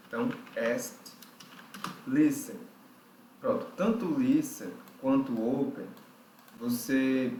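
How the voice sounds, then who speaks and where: A man's voice: medium pitch, darkish tone. A man teaching an English grammar lesson. He explains patiently and often checks in with "ok?". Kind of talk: recorded online lesson. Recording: roomy recording with faint background noise.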